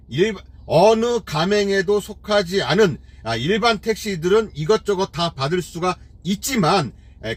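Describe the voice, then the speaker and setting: Pitched high and husky, with no room sound, this middle-aged man drives a taxi and runs his own channel. He delivers an opinionated commentary loaded with fillers and rhetorical questions that scold.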